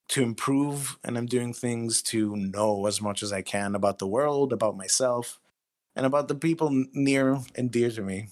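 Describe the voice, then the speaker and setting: A man's voice: medium pitch, darkish tone. A man speaking as an interviewed writer in a casual, earnest, plain-spoken and matter-of-fact way.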